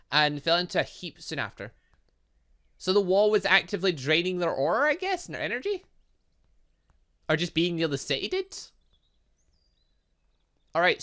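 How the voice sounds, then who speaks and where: A man giving animated let's play commentary on a video game, reading dialogue aloud and adding sarcastic asides. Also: on the high side. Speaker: gaming channel host.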